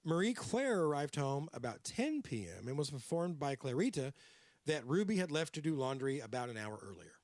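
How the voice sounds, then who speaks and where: A man's voice: on the high side, normal speed, no echo. A man hosting a podcast, telling a true-crime story and slipping into character voices. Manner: animated, drops into character voices. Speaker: podcast host.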